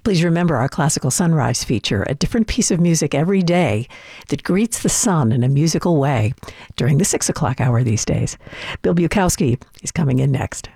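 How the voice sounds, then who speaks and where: A woman radio host announcing music in a relaxed way with small fillers. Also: deep voice, a little fast, slightly rough.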